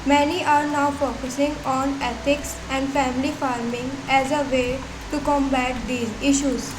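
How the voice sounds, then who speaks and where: A woman student reading a practice passage aloud, recorded roughly in a room. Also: sits high, level tone, measured pace. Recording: roomy, noisy amateur recording with hum.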